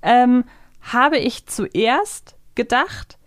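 A woman's voice: a little high, expressive, extremely slow, dry recording, studio quality. A woman hosting a podcast in a conversational way. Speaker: podcast host.

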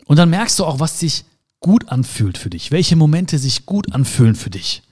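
A man's voice: a little high, sing-song, normal speed, darkish tone. A man giving a motivational talk in an emphatic way, repeating his key phrases. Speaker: motivational speaker.

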